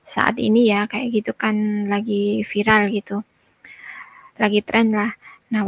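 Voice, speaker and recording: A woman in her thirties, a testimony guest, shares her personal testimony conversationally, using frequent fillers and making direct asides to listeners. Her voice is medium-pitched, and the recording is dry and dull.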